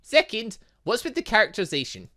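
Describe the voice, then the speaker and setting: A man's voice: high-pitched, huge pitch swings, a little fast, sharp tone, voice pushed up, exaggerated voice. A man voicing an awkward, earnest, bewildered young male student in a visual novel game, hesitant and flustered. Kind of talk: visual novel game dialogue read aloud.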